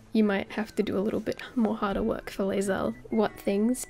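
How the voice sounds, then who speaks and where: Music plays in the background as a woman with a fairly high pitch speaks at a moderate pace. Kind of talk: game guide narration. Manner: awkward, halting.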